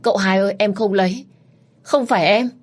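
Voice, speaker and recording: A woman's voice: medium pitch, unhurried, pitched above the performer's own voice, natural voice. Woman voicing a terrified pleading young servant girl. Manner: begging, tearful. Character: young maidservant, frightened and pleading.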